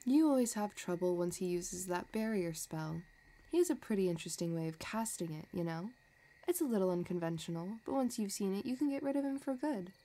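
A woman playing a possessive, scheming villain in a romantic audio roleplay, talking in a soft, teasing, calculating way. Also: mid-range voice, animated, a little fast, close to an everyday voice. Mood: teasing, sly. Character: possessive, scheming female villain obsessed with her crush.

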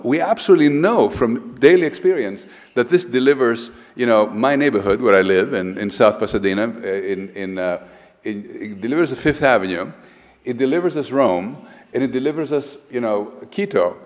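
A man's voice: medium pitch, moderate pace. An older man from Greece giving an emphatic architecture lecture at a lectern, often restarting and repeating words. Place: large lecture hall, standing at a lectern. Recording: lecture hall with long reverb.

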